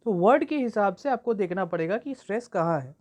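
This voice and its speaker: A woman teaching an exam-prep lesson, reading English textbook lines slowly and then explaining them at length. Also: mid-range voice, lively intonation, a little mellow.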